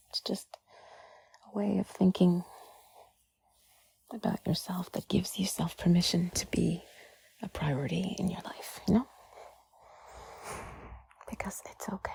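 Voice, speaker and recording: Breathy, husky whispering woman. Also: fairly low pitch. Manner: soothing, gently reassuring, drawn-out pauses. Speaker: audio creator speaking to the listener. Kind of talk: intimate whispered ASMR comfort talk.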